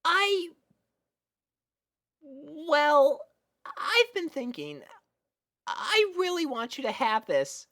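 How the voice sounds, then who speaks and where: A woman voicing a shy, lovestruck young girl pony in a nervous, halting storybook reading. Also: high voice, very animated, fairly bright tone, pitched above the performer's own voice, exaggerated voice. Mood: flustered, smitten.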